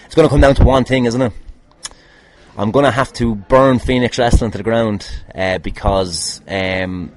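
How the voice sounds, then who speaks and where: Speaking at a medium pitch and normal speed with fairly even intonation, a man from Ireland rambles through casual anecdotes in reply to fan questions. As a podcast host he's jokey, self-deprecating and quick to swear.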